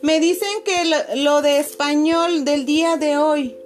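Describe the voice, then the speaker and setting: A woman teacher, talking patiently to her pupils on a video call and filling pauses with "este". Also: high voice, flat delivery, soft background music. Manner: patient, many fillers, calls pupils "chicos" and "corazones". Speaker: schoolteacher. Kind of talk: online class video call.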